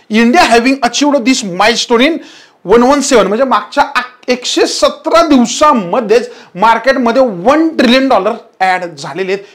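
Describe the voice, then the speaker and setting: An emphatic male market teacher in his thirties explains trends in front of a screen, and he keeps urging viewers to remember the key points. His voice is close on a lapel mic in a studio. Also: extremely high pitch. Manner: emphatic, repeats "remember", gestures while explaining. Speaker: stock market educator.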